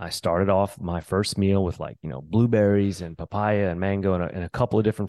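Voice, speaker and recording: Against a quiet background, a man with an American accent talks at a fairly quick pace in a fairly low pitch, his dark, mellow tone and fairly even intonation heard in a dry, close sound with no echo. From New Orleans, US South. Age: 30s. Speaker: nutrition and mindset coach. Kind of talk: casual interview chat.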